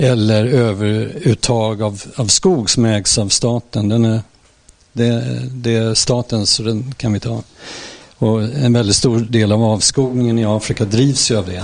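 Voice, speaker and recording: Over noticeable background noise, a man of medium pitch speaks fairly slowly with fairly even intonation. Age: old. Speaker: audience member. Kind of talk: Q&A question. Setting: seminar with live audience.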